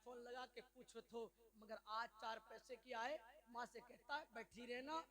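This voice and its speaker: A man preaching a sermon to a large gathering, swinging from hushed talk to shouting. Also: extremely high pitch, flat delivery. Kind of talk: Urdu religious sermon. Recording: live event with crowd noise.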